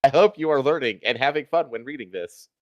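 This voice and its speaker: Guy streamer reading goofy stories out loud w casual asides, dry mic no room sound. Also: medium pitch, expressive, fairly quick, dry recording, dull audio. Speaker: streamer reading fan fiction.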